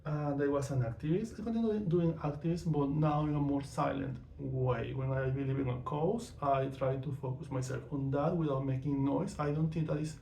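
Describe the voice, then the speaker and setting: Gravelly-voiced Venezuelan-accented man. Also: a little high, steady tone, moderate pace, few pauses, warm tone, echoey room, slight background noise. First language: not English or Spanish. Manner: outspoken, frank, with frequent fillers. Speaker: vlogger. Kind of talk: casual personal monologue.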